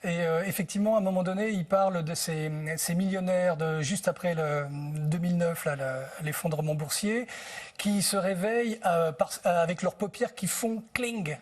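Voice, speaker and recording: A man's voice: sits high, moderate pace, darkish tone. A man being interviewed as a translator on TV, telling anecdotes in a thoughtful way and searching for words. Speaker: book translator, interview guest.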